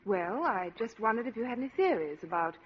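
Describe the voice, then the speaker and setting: A woman's voice: fairly high pitch, sing-song, brisk, husky. An actress playing a cool, evasive young woman who poses as a reporter in a 1940s radio drama. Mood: guarded. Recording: dull lo-fi old radio broadcast.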